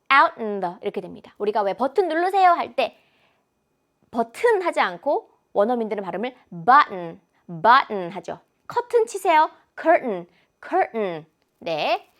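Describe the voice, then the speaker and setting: English teacher lady going over a test, lively swoopy voice, a bit high. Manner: animated, switches between Korean and English examples. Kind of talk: exam explanation lecture.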